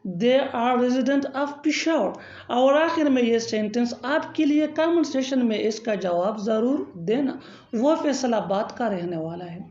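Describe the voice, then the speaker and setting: Slow, deliberate woman teacher. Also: a little high, animated, darkish tone, roomy sound, lo-fi sound. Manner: repeats each English example slowly and deliberately. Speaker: English teacher. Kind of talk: scripted grammar lesson.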